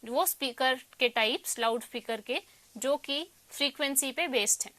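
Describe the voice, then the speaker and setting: High, bright-voiced Indian woman teaching. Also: moderate pace, no room sound. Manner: explanatory, repeats points, mixes Hindi and English. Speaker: electronics teacher. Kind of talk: lecture with self-posed questions.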